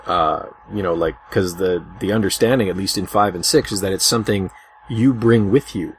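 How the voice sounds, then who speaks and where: A man with a lowish voice hosts a casual podcast discussion. He feels his way through his thoughts hesitantly, over slightly noisy amateur audio. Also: moderate pace. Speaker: podcast host.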